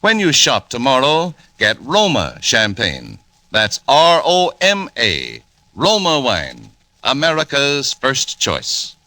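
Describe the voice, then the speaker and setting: A man's voice: medium pitch, huge pitch swings, slow, pushed and bright, dry recording. A man announcing in a polished, persuasive 1940s radio commercial style.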